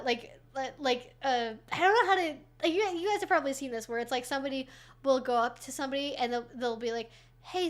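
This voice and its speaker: Young woman on a livestream, high voice, rambly and chatty, lots of likes and uhs. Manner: rambling, chatty, many fillers and restarts. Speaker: livestream host answering chat questions. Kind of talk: casual livestream Q&A.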